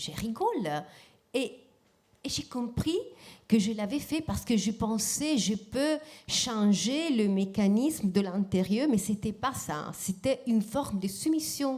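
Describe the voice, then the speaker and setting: Fairly high in pitch and somewhat breathy, a woman's voice has a dark, mellow tone. Her intonation is lively. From Italy, born Calabria, raised Liguria. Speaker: novelist. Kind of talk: public interview at literary event. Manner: halting, many hesitations.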